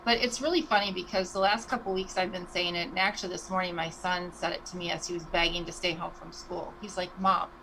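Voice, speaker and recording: A woman, co-hosting a business show in casual, animated chat. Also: fairly low pitch, a little hiss or hum, low-quality recording. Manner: chatty and animated, voices her own thoughts in quick asides. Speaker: co-host of a franchise business livestream.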